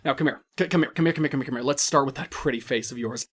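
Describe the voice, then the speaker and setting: A man's voice: medium pitch, very fast, fairly bright tone, breathy edge. Man playing a smug, menacing loan shark boss. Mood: menacing, mocking. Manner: mock-courteous and condescending, erupting into menacing outbursts. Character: menacing male loan shark crime boss, smugly cruel and theatrical. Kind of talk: dramatic audio drama acting.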